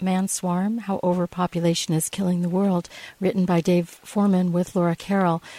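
Her voice has a dark, mellow tone and monotone, flat intonation, delivered at a fairly quick pace. The woman's sound is dry and close, with no echo. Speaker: radio host. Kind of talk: interview.

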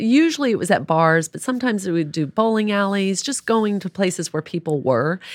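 A woman of medium pitch talks at a fairly quick pace with hardly any pauses and very wide pitch swings, recorded very cleanly against a silent background with a dry, close sound and no echo. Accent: American. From rural Texas. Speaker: author and comedy club owner. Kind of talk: casual interview chat.

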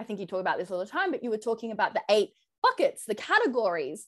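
A woman with a British accent speaks at a fairly high pitch on a very clean recording with a silent background. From UK. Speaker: mindset and career coach. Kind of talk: podcast interview.

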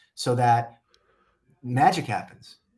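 A somewhat breathy man's voice at medium pitch. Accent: American. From US South, New Orleans. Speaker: real estate agent. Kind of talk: interview.

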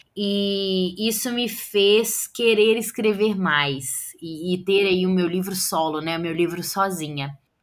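A woman speaks at a very slow pace in a medium pitch with ordinary pitch variation. The recording is very clean, with a silent background. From Brazil, Belo Horizonte, Minas Gerais. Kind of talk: interview about faith and mental health.

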